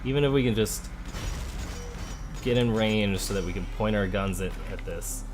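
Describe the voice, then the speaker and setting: Low-voiced man doing casual game commentary. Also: moderate pace. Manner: thinks aloud, conversational. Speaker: let's play host. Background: game music.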